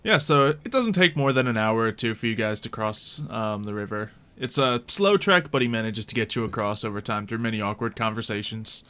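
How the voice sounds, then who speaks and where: A man acting as game master, improvising tabletop roleplay narration in an informal, halting, conversational way. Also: fairly low pitch, expressive, fairly bright tone, smooth.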